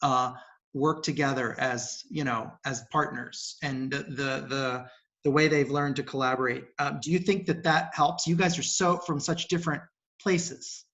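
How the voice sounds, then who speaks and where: A man's voice: medium pitch, steady tone, moderate pace, fairly bright tone. A man hosting an interview show and asking enthusiastic questions on a video call, often breaking in with short agreeing sounds. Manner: frequent backchannel, enthusiastic questions. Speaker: podcast host and theatre director. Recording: slightly dull lo-fi sound.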